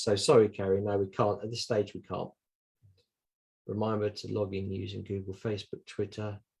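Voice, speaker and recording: A man speaks at a fairly quick pace in a fairly low voice. His delivery is somewhat breathy. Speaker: software platform trainer. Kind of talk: live tutorial Q&A. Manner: casual, chatty.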